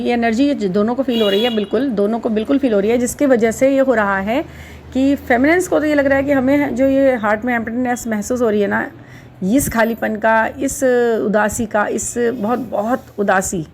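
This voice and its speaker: A woman's voice: on the high side, darkish tone. A middle-aged woman hosting a spiritual guidance channel, talking casually and reassuringly to her viewers, repeating words for emphasis and mixing English terms into her Hindi.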